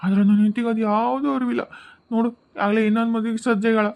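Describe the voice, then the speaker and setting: A man's voice: very high-pitched, little pitch movement, fast, highs cut off. A man voicing the ghost of a murdered young husband in a cartoon, speaking North Karnataka Kannada and swinging from sobbing complaints to vengeful threats. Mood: grieving. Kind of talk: cartoon voice acting.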